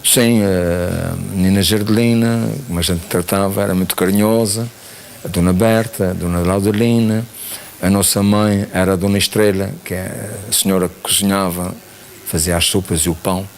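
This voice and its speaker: A man's voice: low voice, fairly even intonation, normal speed, darkish tone. A man in his sixties from São in the Azores, telling his life story plainly as a TV interview guest. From São Miguel, Azores. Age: 60s. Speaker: guest, retired army major.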